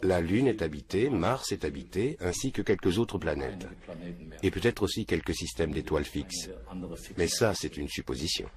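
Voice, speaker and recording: A man's voice: low voice, animated, normal speed, a crowd in the background. An older man answering interview questions in a matter-of-fact, earnest way, seated in a small room. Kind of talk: documentary interview. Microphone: film crew mic off camera.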